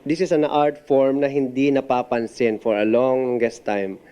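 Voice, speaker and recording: A man's voice: medium pitch, fairly even intonation, unhurried, mellow, smooth. A Filipino-accented man, a voice talent, talking informally in an interview. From Philippines. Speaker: voice talent and company owner.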